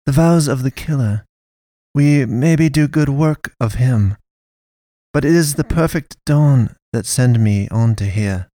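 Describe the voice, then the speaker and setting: A man reading a story, voicing a stern foreign woman pastor who hunts monsters, speaking slow, blunt, broken sentences. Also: medium pitch, dark tone, dry recording, voice pushed up, close to an everyday voice. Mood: defiant. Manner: broken grammar, blunt, measured.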